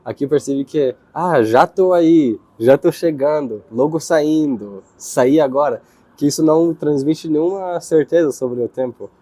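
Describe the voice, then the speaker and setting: Man with an Israeli accent, young adult, hesitant, restarts words, dark voice, dry close sound. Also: a little high, unhurried, no echo. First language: Hebrew. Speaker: interviewee. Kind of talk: casual interview answers.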